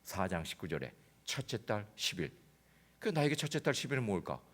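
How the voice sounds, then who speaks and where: A man preaching a sermon as pastor, telling a comic story that swings between loud outbursts and hushed, intense passages. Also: lowish voice, big pitch swings, brisk. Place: church sanctuary.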